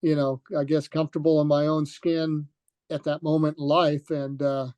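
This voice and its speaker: Older guy rambling thru old racing stories, mellow tone, lots of "you know". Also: a little high, flat delivery, normal speed, smooth, no room sound. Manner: rambling, many fillers and restarts. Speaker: retired motocross racer, guest. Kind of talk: relaxed reminiscing in an interview.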